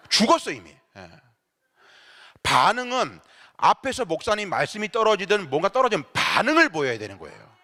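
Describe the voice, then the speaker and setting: A pastor from Seoul leads a church seminar in a high-pitched, pushed, bright voice. His lively, humorous lecture is playful and teasing, constantly addressing the audience directly. Long hall reverb from the church sanctuary colors the recording.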